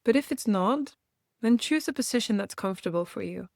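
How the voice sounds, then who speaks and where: A woman guiding a meditation for beginners in a gentle, reassuring manner, leaving unhurried pauses between phrases. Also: medium pitch, animated, vocal fry, dry recording, studio quality. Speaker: meditation guide and host. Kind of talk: guided meditation, gently instructional.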